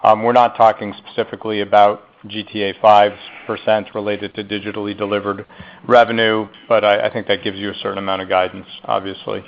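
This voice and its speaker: A man with a lowish voice speaks in a measured, deliberate way and leans hard on the words he wants to stress. The sound is muffled and dull, like conference call audio. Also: level tone, gravelly. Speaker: company executive answering analysts. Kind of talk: earnings conference call answer.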